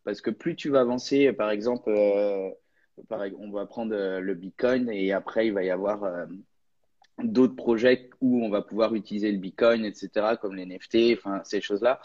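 Hesitant low-voiced man on a live. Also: fairly even intonation, normal speed, darkish tone. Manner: hesitant, lots of fillers and restarts, laughs easily. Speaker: guest, content creator. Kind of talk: casual live chat. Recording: lo-fi online audio.

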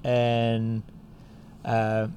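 A man's voice: mid-range voice, monotone, extremely slow, mellow, slight background noise. A man from Spain with a Spanish accent, chatting casually as a music school co-founder and filling his talk with "like" and "you know". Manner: rambling, heavy use of "like" and "you know". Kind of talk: casual interview chat.

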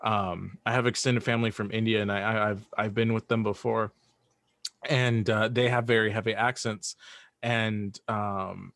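A man speaking as a guest in a casual chat, hesitant and halting, often repeating his words. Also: lowish voice, fairly even intonation, vocal fry, a bit bright, no echo. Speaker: podcast guest, audio drama writer.

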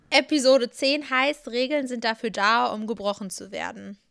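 Young woman podcaster, smooth crisp voice, dry close sound, reads a story game out loud, playful. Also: a little high, steady tone, unhurried, dry recording. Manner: laughing, playful, reads dialogue aloud. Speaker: podcast co-host. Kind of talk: casual chat, reading out a story game.

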